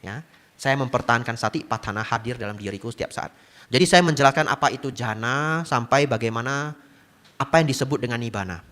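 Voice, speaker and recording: A man's voice: medium pitch, fairly quick. A man from Medan giving a sermon as a Buddhist monk, telling a story and acting out the voices in it. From Medan, Indonesia. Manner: animated storyteller, acts out quoted voices, laughs often.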